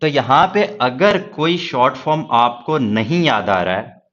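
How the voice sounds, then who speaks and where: A man's voice: medium pitch, big pitch swings, unhurried, a bit bright, muffled recording. Reassuring Hindi-accented male teacher. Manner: reassuring, talks straight to students with rhetorical questions. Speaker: stenography teacher. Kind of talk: classroom lecture.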